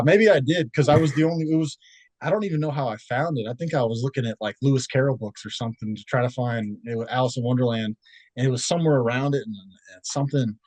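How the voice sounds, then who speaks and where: A man's voice: mid-range voice, a little mellow, no room sound, low-quality recording. Man, young, from Texas, rambling, laid-back, lots of fillers, dry close mic. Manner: rambling, laid-back, many fillers and restarts, laughs often. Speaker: podcast guest. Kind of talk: casual interview chat.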